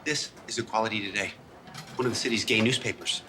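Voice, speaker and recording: A man's voice: fairly low pitch, fast, pushed and bright, slight background noise. A man acting as an angry, wounded gay coffee-shop owner in a dramatic film. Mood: sarcastic anger.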